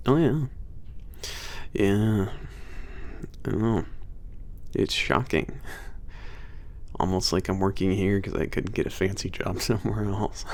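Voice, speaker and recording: A man playing a laid-back, cocky werewolf trainer at a spaceport in an ASMR roleplay, talking casually with teasing, swearing and halting phrases. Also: deep voice, exaggerated voice. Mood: wry, easygoing. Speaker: trainer showing a new hire around. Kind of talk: ASMR roleplay, casual one-sided conversation.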